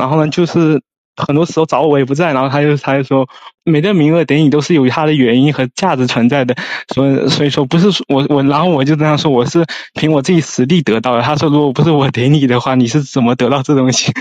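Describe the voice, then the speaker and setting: A man speaks at a very fast pace and a fairly high pitch. His loudness is very even and his intonation fairly even. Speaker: undergraduate caller. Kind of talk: casual call-in consultation. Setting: live-stream voice link. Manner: halting.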